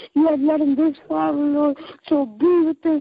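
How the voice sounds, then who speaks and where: A high-pitched woman's voice, flat and monotone, against a quiet background. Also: dry sound with no echo. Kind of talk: group prayer. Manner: halting, repetitive, fervent. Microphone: phone line.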